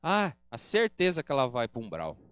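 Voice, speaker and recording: A man's voice: mid-range voice, wildly swooping pitch, moderate pace, a bit bright, smooth, no room sound. A man with a Brazilian Portuguese accent giving an earnest spiritist lecture at a spiritist center, teaching and acting out quoted remarks. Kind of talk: religious lecture.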